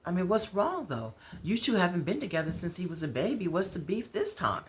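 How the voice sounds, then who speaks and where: A woman's voice: lowish voice, sing-song, a little fast, a little hiss or hum, voice pushed up. An American woman voicing an outspoken, caring woman friend in a story, with blunt, slangy, emphatic delivery. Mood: concerned.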